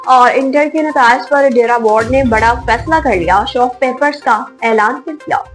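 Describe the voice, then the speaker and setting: A woman from Pakistan reading a regional news bulletin as anchor, in a formal, measured delivery. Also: on the high side, soft background music.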